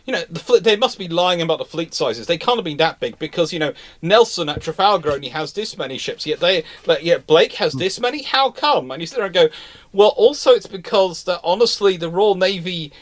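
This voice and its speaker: Higher-voiced man hosting a live history chat. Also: expressive, a little fast. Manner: rambling, restarts phrases mid-thought. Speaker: host of a live naval history question show.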